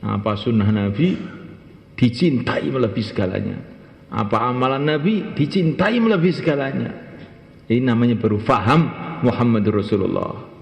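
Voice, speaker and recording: Man preaching in an echoey hall. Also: vocal fry. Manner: emphatic, stretches key phrases slowly, pitch leaps on exclamations. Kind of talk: Ramadan sermon to a congregation. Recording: echoey hall, dull lo-fi sound.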